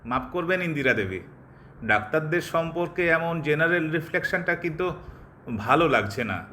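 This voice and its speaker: An actor playing a touchy, impatient doctor in an audio drama, speaking in a clipped way peppered with English words. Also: male voice, fairly high pitch, animated, normal speed, pushed and bright, slight background noise. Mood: offended. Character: touchy, impatient young doctor, bored and uneasy listener. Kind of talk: Bengali audio drama acting.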